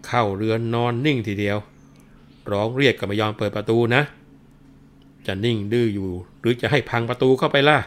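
A man voicing a gruff police officer who shouts rough threats. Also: fairly low pitch, steady tone, normal speed, lightly acted. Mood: bellowing.

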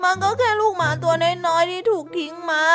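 A woman doing a whiny high-pitched young child. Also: brisk. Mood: pleading. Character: young child pleading with mother. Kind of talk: children's storytelling drama. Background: background music.

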